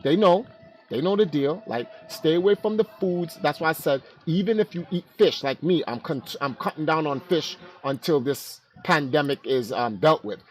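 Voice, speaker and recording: A man hosting a casual livestream chat, giving advice in a slangy, laid-back way. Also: fairly high pitch. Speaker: stream host.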